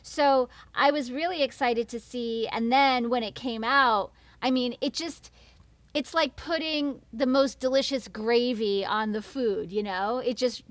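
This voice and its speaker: Female guest, American accent, higher voice, very dry close sound, expressive casual chat. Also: dry recording. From New York. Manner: expressive, enthusiastic. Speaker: guest, voice actor.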